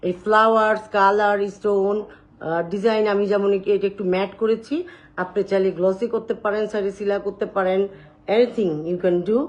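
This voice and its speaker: A woman hosting a live sales stream, showing jewelry and talking loudly and chattily to her viewers. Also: mid-range voice, flat delivery, fairly quick, poor audio. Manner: loud, chatty, addresses viewers directly.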